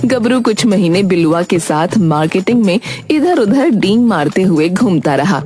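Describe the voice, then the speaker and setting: A woman narrating a cartoon story in an even, storybook manner. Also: mid-range voice, moderate pace, music in the background.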